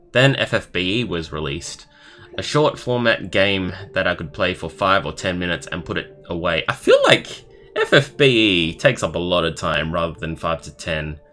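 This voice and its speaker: A young man live streaming, reading a story aloud in a halting way and adding casual comments of his own. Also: low-pitched, sharp tone. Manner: halting, stumbling over words while reading. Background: background music.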